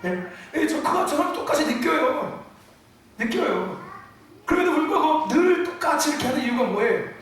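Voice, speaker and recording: A middle-aged man preaching a sermon, calling out to the congregation often and mixing loud emphatic bursts with chuckles. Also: very high-pitched, big pitch swings, moderate pace, slight background noise. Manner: emphatic preaching with frequent call-outs to the congregation. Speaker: pastor. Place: church sanctuary. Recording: echoey church hall from far off.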